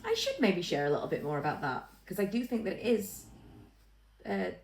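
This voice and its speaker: A woman's voice: lowish voice, big pitch swings, brisk, poor audio. A woman vlogging casually, rambling in a self-deprecating way and repeating phrases for emphasis. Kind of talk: casual chatty vlog to camera.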